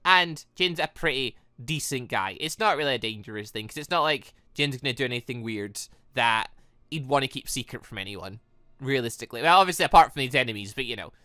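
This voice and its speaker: Let's-player, lively swooping pitch, rambling excitable commentary, bright tone, close dry sound. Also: fairly quick, dry recording. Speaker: video game let's-player. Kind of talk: casual gameplay commentary and read-aloud.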